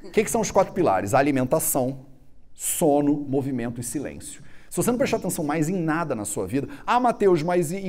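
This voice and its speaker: A man, giving a joking, animated public talk on a stage into a handheld microphone. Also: on the high side. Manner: animated, joking, gestures a lot. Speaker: Ayurveda speaker giving a talk. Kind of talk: lively informal public talk. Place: stage in a large indoor hall.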